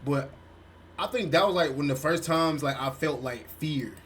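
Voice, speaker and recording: Twenty-something guy reacting on stream, says bro a lot, kinda high voice. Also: moderate pace, a little hiss or hum. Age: 20s. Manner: animated, swearing, says "bro" often. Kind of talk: casual reaction commentary.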